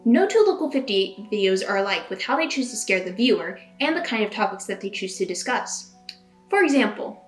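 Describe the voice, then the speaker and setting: A woman's voice: medium pitch, big pitch swings, fairly quick. A woman hosting and narrating a scripted video essay in a conversational way, leaning into dramatic emphasis. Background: background music.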